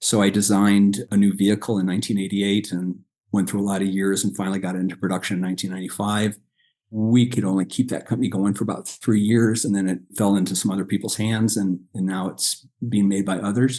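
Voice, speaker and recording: The voice has a dark, mellow tone and a General American accent, delivered at a very fast pace with monotone, flat intonation. The background is quiet. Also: man, fairly low pitch for a man. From Colorado. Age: 60s. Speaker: vehicle designer and author. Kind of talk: podcast interview.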